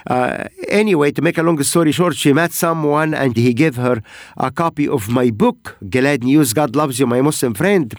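Male host of a ministry program, middle-pitched voice, earnest and halting, dry close sound. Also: dry recording. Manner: earnest, halting phrasing with frequent pauses. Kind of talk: broadcast ministry talk, sharing testimonies.

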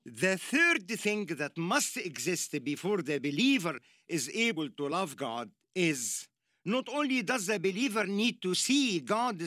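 A man with an Egyptian accent preaching slowly and deliberately, his voice high and bright. His delivery is earnest and emphatic, and the pitch swings widely. The sound is dry and close. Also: no echo. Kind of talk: sermon.

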